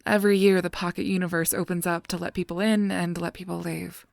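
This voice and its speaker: Woman acting female guardian angel, audio roleplay, soft and breathy, creaky low register, measured, solemn, guarded, dry close sound. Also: flat delivery, no echo. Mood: grave, careful. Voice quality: soft, breathy, often near a whisper. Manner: measured, halting, solemn delivery. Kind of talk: scripted audio roleplay drama.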